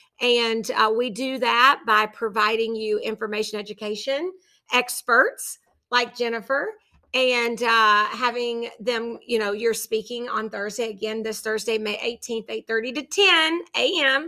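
On a very clean recording with a silent background, a woman speaks with a bright, sharp tone at a fairly high pitch. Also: ordinary pitch variation, fairly slow pace. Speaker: podcast host and community founder. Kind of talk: casual interview chat. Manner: animated.

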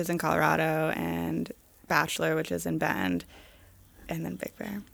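Fairly low female voice with an American accent at a fairly slow pace, in a very clean recording with a silent background. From Pittsburgh, Pennsylvania. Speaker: life coach. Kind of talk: casual chat. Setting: in-person studio recording.

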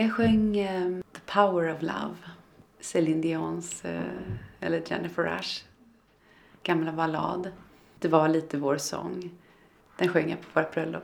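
A woman with a fairly low voice speaks at a fairly slow pace, leaving long, frequent pauses. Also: fairly even intonation. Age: 30s. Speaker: opera singer and music teacher. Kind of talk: interview.

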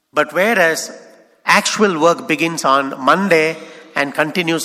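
The man's fairly high voice moves at a moderate pace with ordinary pitch variation while noticeable background noise plays. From India. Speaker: missionary. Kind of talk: sermon. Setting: church.

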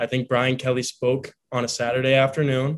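A man speaks at a moderate pace in a plain, everyday voice pitched fairly high. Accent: American. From Texas. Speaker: sports beat writer. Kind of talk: interview.

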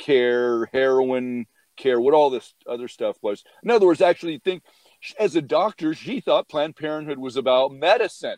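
With lively intonation and a fairly high pitch, a man in an unremarkable speaking voice keeps to a moderate pace. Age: 50s. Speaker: anti-abortion activist group leader. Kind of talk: talk radio interview.

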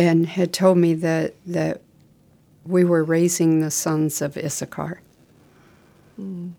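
A woman's very slow, monotone, flat delivery, dark and mellow in tone, fairly low-pitched, with long, frequent pauses. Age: 60s. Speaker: missionary. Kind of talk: casual chat.

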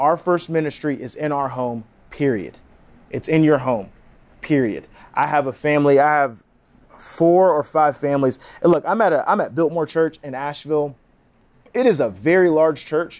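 A man with an American accent, fairly high in pitch, with ordinary pitch variation, a moderate pace and long, frequent pauses. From Georgia, US South. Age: 20s. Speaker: youth pastor. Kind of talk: conference talk. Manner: animated.

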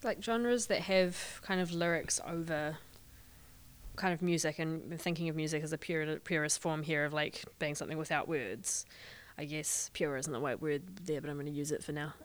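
At a moderate pace, a woman speaks in a very deep, low pitch with ordinary pitch variation, on a very clean recording with a silent background. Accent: New Zealand. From New Zealand, central North Island. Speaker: music therapist and musician. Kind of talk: casual interview chat.

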